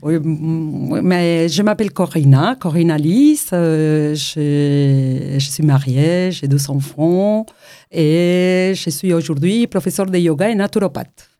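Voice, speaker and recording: A woman's voice: low voice, slow pace, warm tone, no echo, clean studio sound. A middle-aged woman with an Argentine Spanish accent, a Spanish native speaker, telling her story as a guest, hesitant with many fillers. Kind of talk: personal testimony interview.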